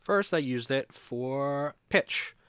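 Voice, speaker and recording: A man's voice: medium pitch, animated, slow, a bit bright, clear, resonant tone, no echo, studio quality. A man presenting a music production tutorial in an informal, conversational way, explaining things step by step.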